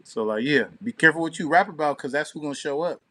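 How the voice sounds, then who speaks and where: A man's voice: on the high side, fast, sharp tone. A man co-hosting a casual podcast, talking in an opinionated, emphatic, slangy and profane way. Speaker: podcast co-host and DJ.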